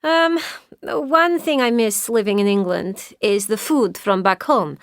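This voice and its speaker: A woman from Ukraine speaking in a warm, nostalgic way for a listening exercise. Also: mid-range voice, measured pace, dry recording, clean studio sound.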